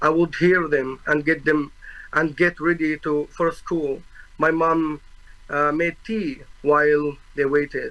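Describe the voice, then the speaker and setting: A man with a Palestinian accent speaks very slowly in a fairly high pitch. His tone is bright and sharp, with monotone, flat intonation. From Gaza, Palestine. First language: Arabic. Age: 20s. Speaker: journalist. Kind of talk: tribunal testimony. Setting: remote video call.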